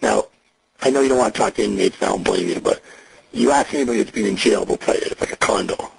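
A man on a recorded jail payphone call, coaching and reassuring the caller in a profane, steady way. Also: on the low side, quick pace, gravelly, slightly rough, rough recording. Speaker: agent on a phone call.

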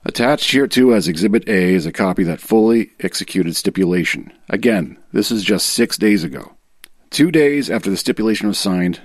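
A man reading a legal declaration aloud in a formal, measured way, as a guest reader. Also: lowish voice, no echo, clean studio sound. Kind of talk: dramatic reading of a legal affidavit.

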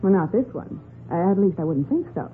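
A faintly noisy, thin 1940s radio recording features a detective's perceptive secretary, acted by a woman. Her pitch moves freely as she chats and observes, loyal to her boss. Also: expressive, brisk, phone-quality sound, lightly acted. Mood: light, admiring. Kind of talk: 1940s radio crime drama acting.

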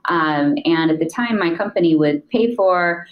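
A woman from the United States, a guest on a podcast, telling her career story in a relaxed, matter-of-fact way with many ums. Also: lowish voice, measured pace, lo-fi sound. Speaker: podcast guest, voice interface designer. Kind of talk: interview answers, career story.

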